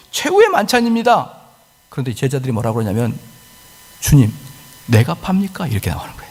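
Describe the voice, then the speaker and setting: A male pastor preaching a sermon in a church, dramatic and full of rhetorical questions. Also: high voice. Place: church sanctuary. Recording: church hall reverb.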